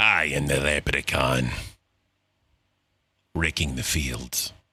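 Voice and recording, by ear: A man puts on a character voice, raspy and very deep in pitch. He speaks at a fairly slow pace.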